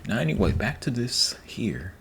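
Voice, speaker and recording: A man giving a soft-spoken ASMR ramble, unhurried and repetitive, sometimes slipping into a whisper. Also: on the low side, sing-song, gravelly, a little hiss or hum. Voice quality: soft, partly whispered delivery. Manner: unhurried, rambling, repeats himself. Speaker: ASMR host.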